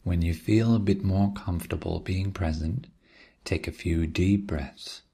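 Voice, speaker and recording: A man with a low, husky voice leads a guided meditation. He speaks gently and calmly, leaving long pauses between short instructions. His tone often crackles with vocal fry. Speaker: meditation teacher. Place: quiet room.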